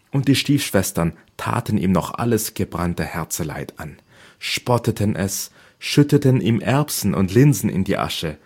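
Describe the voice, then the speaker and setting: A man reading a fairy tale aloud as narrator, with a calm, measured storytelling manner. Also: low-pitched, husky.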